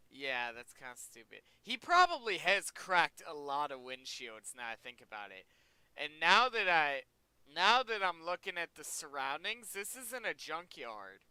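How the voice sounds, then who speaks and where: Young male host, casual reaction commentary, bright lively voice, smooth and dry. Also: a little high, no echo, poor audio. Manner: rambling, chatty, repeats himself. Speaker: video host.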